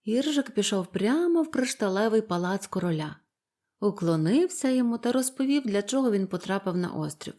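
A woman narrating a bedtime fairy tale in a calm, unhurried way. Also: mid-range voice.

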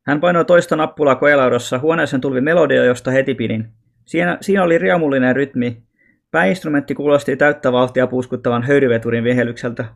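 Man reading a story aloud, calm. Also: mid-range voice, vocal fry. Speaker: audiobook reader. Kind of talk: reading a children's novel aloud.

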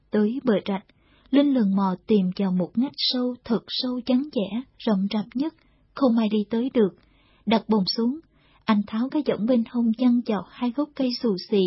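A woman narrating a war novel in a steady, measured storytelling read, in a dull lo-fi audiobook recording. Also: on the high side, breathy edge, no echo.

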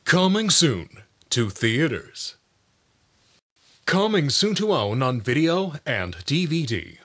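A young man voicing a grand, dramatic movie trailer announcer with drawn-out, theatrical promo delivery. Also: a little high, very animated, voice pushed up, heavily acted. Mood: grand, promotional. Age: young adult. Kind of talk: announcer impression, trailer voice-over.

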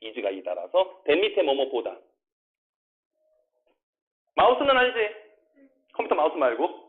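Male English tutor, high animated voice, drills words and asks quick checks, tinny phone-like classroom recording. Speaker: English academy teacher. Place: small classroom.

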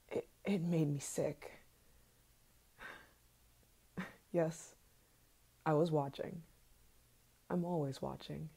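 A woman voicing an obsessive yandere scientist in an ASMR role-play, sweet and sinister, soft-spoken with hesitant pauses. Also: low voice. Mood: sweetly possessive.

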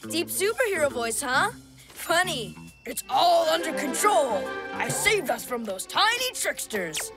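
A boastful little boy superhero for a kids' cartoon. He is eager and excitable, with a very high, swooping voice over loud music. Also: measured pace, heavily acted. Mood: teasing, proud. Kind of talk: animated children's cartoon acting.

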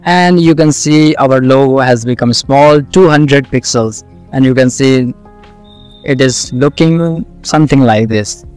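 Slow, clear South Asian man teaching. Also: medium pitch, darkish tone, faint music behind. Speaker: coding tutorial instructor. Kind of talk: screen-recorded tutorial, explaining step by step.

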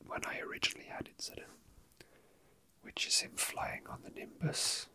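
Close to the mic, an ASMR host whispers casual, unhurried chat, musing to themselves as they handle small objects. The delivery stays hushed throughout.

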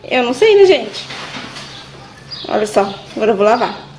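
Her voice is on the high side and sing-song, moving at a moderate pace with a Brazilian Portuguese accent, and background noise can be heard. The speaker is a young Brazilian woman vlogging outdoors in a farm vegetable garden. She chats casually to her viewers, pointing things out as she walks.

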